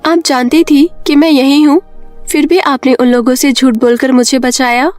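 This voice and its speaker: A woman's voice: sits high, steady tone, normal speed, a little mellow, no room sound, faint music behind, close to an everyday voice. A woman voicing a betrayed young wife in a storybook tale, emotional, wounded and defiant. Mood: surprised. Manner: emotional, indignant.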